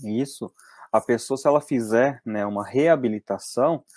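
A young Brazilian man teaching anatomy in an online class from a small room, talking conversationally and often tagging sentences with quick checks. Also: medium pitch, darkish tone, no echo. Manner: conversational, frequent tag questions. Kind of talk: online lecture over slides.

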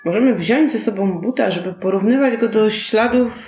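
A woman's voice: mid-range voice, moderate pace, a little mellow. Woman, game player, casual role-play chat, roomy echo, faint music.

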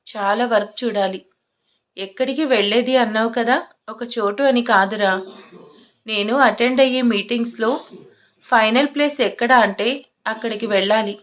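A woman's voice: a little high, close to an everyday voice. A woman reading an evasive young husband. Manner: evasive, apologetic. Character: busy young husband making excuses.

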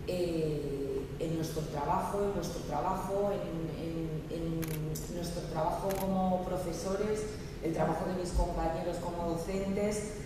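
Spanish teacher lady giving a grad speech, lots of ums and restarts, low-ish voice, super echoey hall, mic far off. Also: background noise. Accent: Spanish from Spain. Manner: hesitant, many fillers and restarts, speaks directly to students. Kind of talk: informal speech to students. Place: large hall, on stage at a lectern. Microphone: headset mic.

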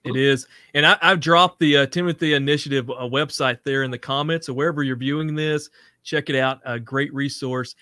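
A man co-hosting a show over a video call who talks eagerly and often pauses on "uh". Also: mid-range voice, steady tone, sharp tone, dry recording, studio quality. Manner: eager, hesitant, frequent "uh". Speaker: co-host. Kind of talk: casual video call conversation. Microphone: webcam on video call.

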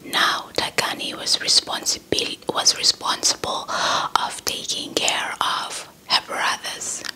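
A young woman telling a story in a breathy ASMR whisper close to the mic, deliberate and softly repeating words. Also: poor audio. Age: young adult. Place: indoors in front of a dark cloth backdrop. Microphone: handheld small mic with fluffy windscreen, held close.

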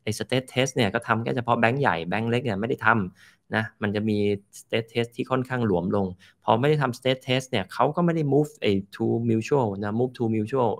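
A man hosting a channel, casually explaining finance news over clips, mixing in English terms. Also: mid-range voice. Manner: explains slowly in plain terms, mixes in English terms.

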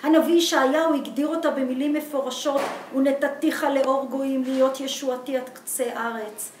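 A woman's voice: high-pitched, fairly even intonation, voice pushed up, natural voice. A woman voicing a small, weary, fervent wandering preacher in a novel reading, insistent, in an echoey room. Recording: echoey room, distant mic, background noise.

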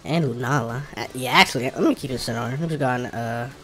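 A man in an African American English accent plays a video game and offers casual, informal commentary, muttering and thinking aloud to himself. His mid-range voice is fast with a fairly bright tone, and game music plays behind him.

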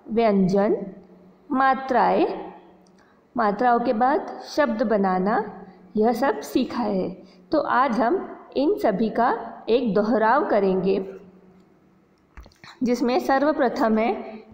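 A woman teaching Hindi to young schoolchildren. She walks them through a worksheet patiently and slows down to sound out words and letters. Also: fairly high pitch, a little mellow. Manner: patient, repeats "बच्चों" often, stresses pronunciation slowly. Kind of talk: online lesson explaining a worksheet to children. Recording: long reverb, dull lo-fi sound.

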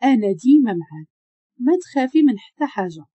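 A woman with a Moroccan accent voicing a possessive young husband in a narrated story, speaking softly but insistently. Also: fairly high pitch, big pitch swings, fast, breathy edge, dry recording, highs cut off, voice pushed up. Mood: tender. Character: possessive young husband, tender yet controlling.

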